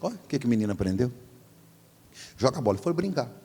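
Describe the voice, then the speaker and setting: A man in his forties preaching a storytelling sermon as pastor, animated and acting out the voices in his story. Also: mid-range voice, quick pace, creaky, slightly rough. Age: 40s. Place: large church hall. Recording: long hall reverb.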